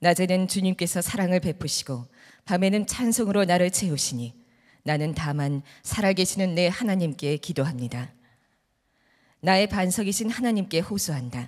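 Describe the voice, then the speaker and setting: An ordinary speaking voice with lively intonation moves at a moderate pace in a very clean recording with a silent background. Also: woman, medium pitch for a woman. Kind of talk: scripture reading. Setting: church.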